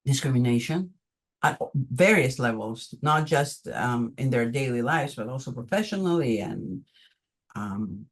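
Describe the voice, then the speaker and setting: An older woman from Greece with a Greek accent, answering audience questions on a video call with many pauses and ums. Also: rumbling low, lively intonation. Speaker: conference presenter answering questions.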